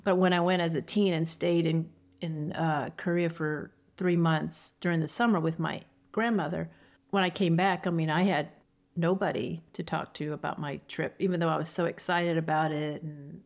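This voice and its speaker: A woman's voice: low-pitched, fairly even intonation, normal speed. A middle-aged woman, the host's mother, telling family stories in a casual chat. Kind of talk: casual conversation.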